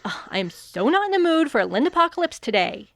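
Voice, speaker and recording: A woman's voice: high-pitched, sing-song, fast, creaky, no echo, studio quality, heavily acted. A woman playing a breezy, sardonic fairy in an audio comedy drama. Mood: exasperated. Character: cocky sarcastic female fairy wielding chaos magic. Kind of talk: audio fiction comedy acting.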